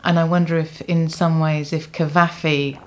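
A woman's voice: sits low, little pitch movement, moderate pace. A woman interviewing in a reflective, tentative way, searching for her phrasing in a literary conversation.

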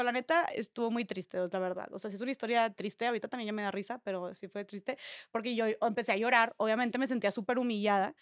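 Mexican woman, high voice, slangy podcast storyteller who acts out the dialogue, dry close mic. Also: clean tone, dry recording. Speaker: podcast co-host. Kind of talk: casual storytelling chat.

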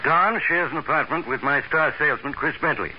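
A man's voice: on the high side, fairly quick, breathy edge. Fussy, self-important radio businessman. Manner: formal, fussy, insistent. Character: fretful, self-important male company executive. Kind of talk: 1940s radio drama acting. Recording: muffled, hissy old radio recording.

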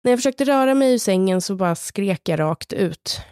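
A woman in her thirties, a podcast co-host, slowly telling a personal story in the present tense in an intimate, measured way. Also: medium pitch, expressive, darkish tone, clean tone, no room sound, clean studio sound. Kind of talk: personal storytelling, partly read from a script.

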